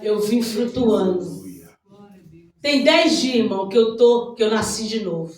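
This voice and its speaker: A woman pastor with a Brazilian accent tells her testimony in an animated way, breaking into loud cries of praise. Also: medium pitch, unhurried. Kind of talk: testimony preaching. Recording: very echoey hall from far off.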